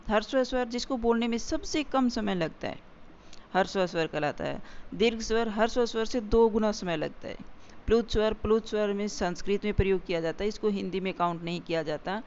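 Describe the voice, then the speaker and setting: Teacher going over grammar for exams, repeats stuff, slows down on examples, bit of hiss in the background. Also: mid-range voice, a little mellow. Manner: explains step by step, repeats key definitions. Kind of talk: exam-prep grammar lesson. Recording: dull lo-fi recording with faint hiss.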